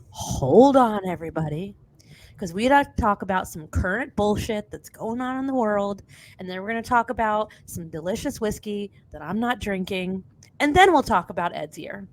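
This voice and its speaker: A woman's voice: medium pitch, animated, normal speed, low-quality recording. A woman hosting a podcast in casual chat, blunt and sweary, sounding sniffly with a cold. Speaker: podcast host.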